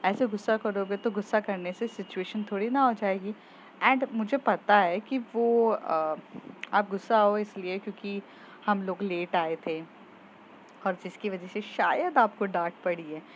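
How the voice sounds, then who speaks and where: A woman voicing a gentle young schoolgirl who talks softly and soothingly, in a storybook tale. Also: medium pitch, measured pace, muffled recording, slight background noise, close to an everyday voice. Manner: soft and soothing.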